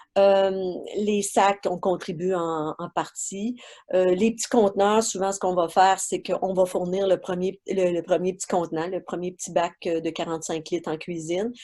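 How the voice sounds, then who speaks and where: A woman with a Quebec accent speaks at a moderate pace in a medium pitch, her dark, mellow tone delivered in a monotone, flat intonation against a quiet background. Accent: Québécois French. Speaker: regional waste management director. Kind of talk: webinar presentation. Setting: video call. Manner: hesitant, many fillers.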